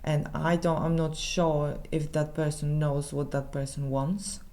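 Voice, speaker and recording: A woman with a Polish accent, a native Polish speaker, giving a casual tarot reading in halting English with many restarts. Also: low-pitched, little pitch movement, warm tone. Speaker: tarot reader.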